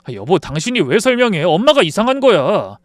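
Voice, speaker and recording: A man's voice: high voice, sing-song, a little fast, dry recording, pitched above the performer's own voice. A man voicing a defensive adult son who pleads with his mother and protests in whiny tones, in a dramatized story reading. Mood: exasperated.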